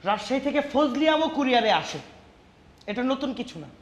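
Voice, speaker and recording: A sarcastic, snappish young man who answers in biting jabs. He talks fast and high. The sound is echoey, with faint music behind. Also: lo-fi sound, slight background noise.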